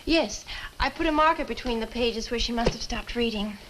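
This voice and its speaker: Young female lead, played by an actress, fairly high, gentle and anxious, formal vintage horror delivery, clearly noisy track. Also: moderate pace, close to an everyday voice. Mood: anxious, polite. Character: polite, worried young woman caring for her grandfather. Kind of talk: 1960s horror film acting. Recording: noisy old film soundtrack.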